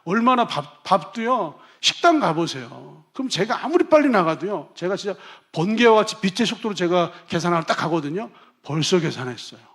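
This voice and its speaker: Male pastor, middle-aged, high-pitched, emphatic sermon delivery shifting between quiet and forceful. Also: very animated, brisk, hardly any pauses. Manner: emphatic preaching, swinging from soft to loud.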